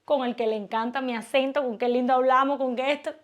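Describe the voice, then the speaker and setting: A young woman with a Cuban accent, vlogging from home in a playful, teasing way. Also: high voice. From Cuba. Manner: playful, fast, teasing, lively. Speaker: YouTuber. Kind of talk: casual vlog to camera.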